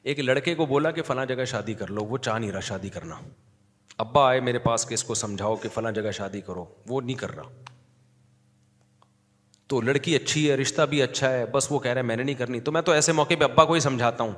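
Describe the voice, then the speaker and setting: A man giving a lively storytelling sermon as a cleric, acting out the people in his stories. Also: medium pitch, long reverb tail.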